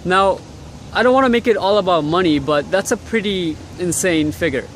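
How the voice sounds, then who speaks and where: A man's voice: high-pitched, normal speed, fairly bright tone, a little hiss or hum. A young man from Bangladesh vlogging outdoors on a cold day, talking bluntly and swearing freely as he gives motivational advice. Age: young adult. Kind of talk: casual motivational vlog. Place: outdoors in cold city air.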